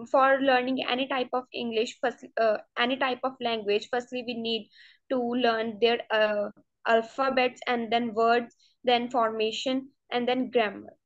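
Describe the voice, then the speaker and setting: A young woman whose first language is Punjabi answers a mock speaking exam over a video call, hesitant and full of fillers and restarts. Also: on the high side. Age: student. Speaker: test candidate. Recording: dull lo-fi video call audio.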